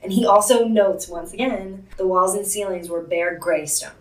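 A woman's voice: medium pitch, moderate pace, echoey room, recorded from a distance, rough recording. A woman co-hosting a casual book discussion, rambling and saying "like" a lot. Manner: rambling, heavy use of "like". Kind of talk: casual chat.

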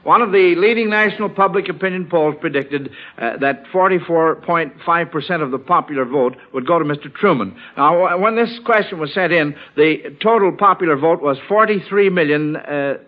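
A man hosting an old-time radio quiz show, reading questions deliberately and moving contestants along politely and encouragingly. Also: fairly high pitch. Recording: dull, band-limited 1940s radio recording.

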